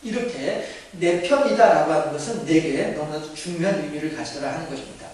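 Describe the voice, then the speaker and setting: A high-voiced male pastor delivers a conversational sermon, turning to the congregation with questions and acting out quotations. His voice booms with heavy reverb around a large church sanctuary, picked up from a distant mic. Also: a little fast, darkish tone. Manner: conversational, engages congregation, acts out quotes. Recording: echoey church hall, mic far off.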